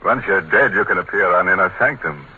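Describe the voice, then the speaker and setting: Over a muffled 1940s radio broadcast with music, a man serves as host and announcer of a horror show, delivering macabre jokes in a mock-sinister way. His low voice is animated and fairly quick, with a slight hiss or hum.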